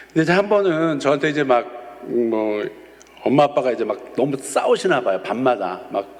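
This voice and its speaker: Man preaching in a reverberant church. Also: medium pitch. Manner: storytelling, frequent affirming "yes" asides. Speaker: youth pastor. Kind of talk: conversational sermon. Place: church sanctuary. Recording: long church-hall reverb.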